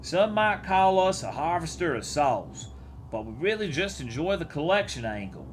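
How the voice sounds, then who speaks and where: A menacing tentacled plant monster that collects souls, as a man puts it on. The voice drawls slowly in a folksy cowboy manner, raised in pitch and pushed loud. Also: very animated, faint music behind. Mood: grandiose. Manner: slow, drawling put-on cowboy talk, grandly menacing.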